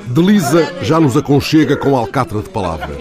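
A man giving scripted, literary narration for a documentary, measured and reading out book passages. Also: medium pitch, big pitch swings, music in the background, crowd noise. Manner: measured, reads quotes from a book.

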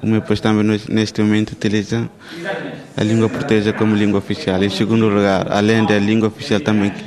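A man from Timor speaks in a deliberate, orderly way with a low voice. His intonation stays very flat. Classroom chatter is clear around him. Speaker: language student.

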